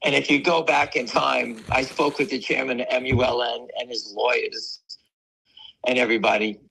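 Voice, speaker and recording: A man with a voice hoarse from weeks of coughing, chatting in a rambling way as a guest on a live stream. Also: medium pitch, steady tone, moderate pace, noisy background. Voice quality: gravelly, raspy. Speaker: guest on a stock market stream. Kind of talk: casual chat.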